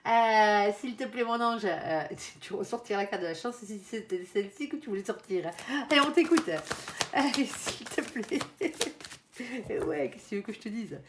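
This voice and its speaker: A woman's voice: mid-range voice, expressive, normal speed, a little hiss or hum. A woman giving a casual, chatty tarot reading, often tagging her sentences and speaking to her guardian angel. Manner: chatty, frequent tag "hein", addresses her angel. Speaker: tarot card reader.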